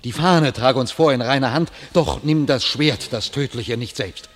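An actor playing a loyal, protective French knight in a classic radio drama, declaiming verse earnestly. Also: male voice, medium pitch, normal speed, slight background noise, natural voice. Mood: earnest, warning. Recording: reverberant hall sound, music.

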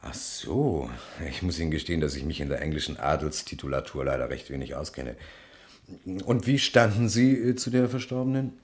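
A man's voice: rumbling low, expressive, brisk. A man playing a courteous, probing middle-aged French police detective in a radio crime drama, speaking politely with small hesitations.

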